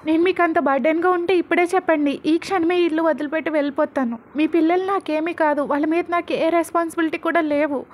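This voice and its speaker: A woman's voice: very high-pitched, fairly even intonation, quick pace, hardly any pauses, pitched above the performer's own voice. A woman voicing a defiant young wife and stepmother who argues back indignantly. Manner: pleading, indignant.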